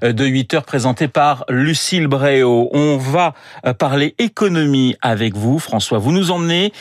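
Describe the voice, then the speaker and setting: A man's voice: mid-range voice, moderate pace, no room sound, studio quality. A man hosting a live morning radio show, polite and lightly teasing as he introduces guests and asks questions. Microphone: studio microphone.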